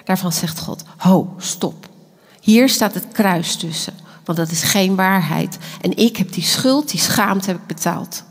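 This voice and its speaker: A woman's voice: medium pitch, measured pace. Woman preaching in an echoey hall. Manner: earnest, animated preaching with quiet whispered asides. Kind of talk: sermon.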